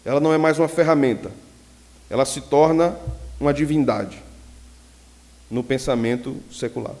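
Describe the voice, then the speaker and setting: A man's voice: mid-range voice, moderate pace. A man preaching as a pastor, teaching and telling jokey stories from his own life. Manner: lively storyteller who jokes with the audience. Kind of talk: teaching sermon with personal anecdotes. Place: church hall. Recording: long reverb of a church hall.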